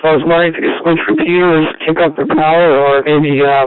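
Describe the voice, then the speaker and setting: A man running an amateur radio net over two-way radio, explaining things in a casual, halting way. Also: fairly high pitch, fairly even intonation, clean tone, dry recording, narrow, tinny audio. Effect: two-way radio transmission. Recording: band-limited two-way radio audio.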